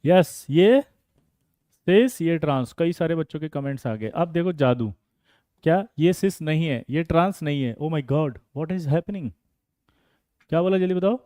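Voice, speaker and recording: High-voiced, playful chemistry teacher. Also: male voice, lively intonation, warm tone, clear, resonant tone, no room sound, clean studio sound. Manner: playful, teasing students by name, rapid "jaldi batao" prompts. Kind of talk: energetic online exam-prep lesson.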